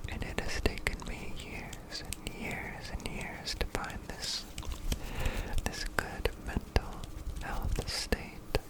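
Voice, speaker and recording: A man whispering a gentle, earnest ASMR pep talk, offering encouraging affirmations as a creator speaking to viewers. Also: low-quality recording.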